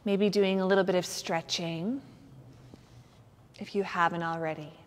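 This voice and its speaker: Woman doing guided yoga meditation, really slow and gentle, long echoey reverb on her voice. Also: lowish voice, steady tone, slight background noise. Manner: soothing, gentle, unhurried guiding with pauses. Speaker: yoga nidra teacher.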